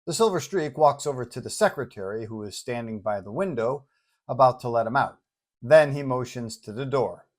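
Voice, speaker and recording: A man's voice: mid-range voice, expressive, moderate pace. A man narrating a scripted superhero adventure story as its host.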